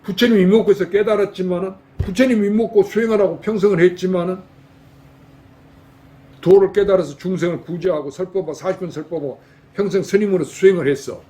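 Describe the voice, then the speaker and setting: A man's voice: high voice, fairly even intonation, fairly quick, mellow. An older man from Jeolla, a Buddhist monk giving a folksy dharma talk in a temple hall and quizzing his lay audience with rhetorical questions. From Jeolla, South Korea.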